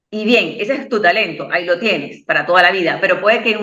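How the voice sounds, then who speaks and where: A woman with a Venezuelan accent speaks fairly high with lively intonation. Room echo is audible. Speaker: astrologer. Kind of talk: podcast interview.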